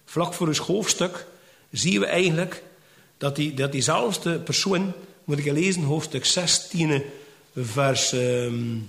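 A man's voice: on the high side, slow pace, gravelly, fairly bright tone, reverberant. A man teaching from the Bible, retelling scenes in voices and tagging his lines with little questions. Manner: retells scenes in acted voices, with frequent "hè?" tags. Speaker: preacher.

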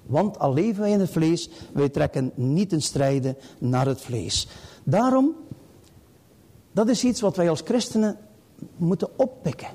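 A man's voice: on the high side, very animated, measured pace, dark tone, husky. A middle-aged man preaching a sermon emphatically, repeating key phrases in rising bursts.

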